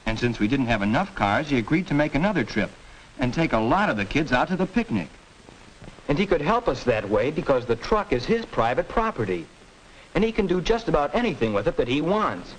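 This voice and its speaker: An earnest schoolboy debater. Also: male voice, on the high side, sing-song, brisk, rough recording. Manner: earnest, explanatory. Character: earnest male high school student debater. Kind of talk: 1940s educational film acting. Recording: hissy 1940s film soundtrack.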